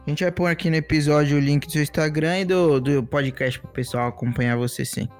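A Brazilian man with a moderately high voice hosts a podcast in a casual, conversational way. Music plays behind him. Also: fairly even intonation, a little fast. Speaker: podcast host.

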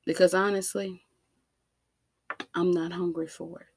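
A woman with an African American accent delivering an impassioned monologue, emphatic and deliberate, with rhetorical questions and repetition. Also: lowish voice, flat delivery, slightly rough, no echo. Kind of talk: impassioned spoken monologue to listeners.

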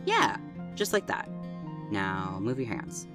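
Low-voiced, anxious young driver, played by a woman. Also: huge pitch swings, takes it slowly, music in the background, exaggerated voice. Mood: hesitant, patient. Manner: hesitant, stammering, earnest. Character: anxious, gentle twenty-year-old driver with magic. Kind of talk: audio drama acting.

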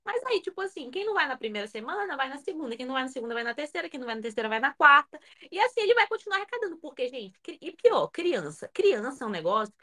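A woman co-hosting a podcast, talking in a lively, chatty flow with frequent little tags at the ends of her sentences. Her voice sits a little on the high side. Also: quick pace. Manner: animated, chatty, lots of filler tags. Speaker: podcast co-host. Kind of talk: casual podcast chat.

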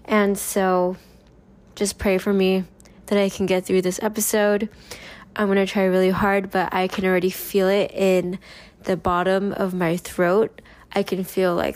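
A young woman hosting a casual solo podcast, chatting in an upbeat, rambling way while still getting over a cold. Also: lowish voice. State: recovering from a cold. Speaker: podcast host.

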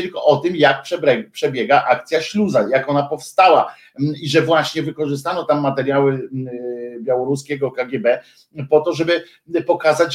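A man's voice: a little high, roomy sound. A man delivering a heated, scornful political rant straight to his viewers, with many hesitation fillers. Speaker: political commentator. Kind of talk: ranting monologue to viewers.

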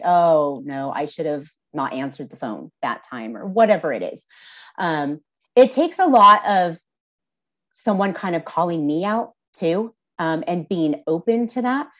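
A woman's voice: low-pitched, a bit bright, muffled recording. A woman, a social services supervisor, answering interview questions in a candid, thoughtful, conversational way. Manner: thoughtful, candid, lightly laughing between points.

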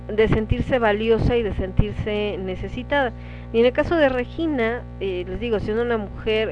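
A woman with a Mexican Spanish accent hosting a casual talk show, chatting with listeners and reading out their comments. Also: medium pitch. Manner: conversational, reads listener comments aloud. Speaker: radio show host. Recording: dull lo-fi sound with faint music.

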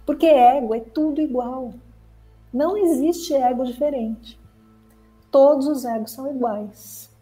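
A woman from Brazil, giving a spiritual talk to her viewers as a teacher and therapist, lively and expressive, acting out the inner voice of the mind. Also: high voice, unhurried, faint music behind, rough recording.

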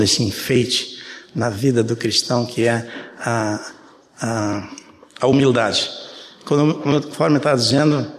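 An older Brazilian preacher with a Brazilian Portuguese accent gives a conversational sermon, often checking in with his listeners. His medium-pitched voice comes through a reverberant hall with faint room ambience and a little hiss or hum.

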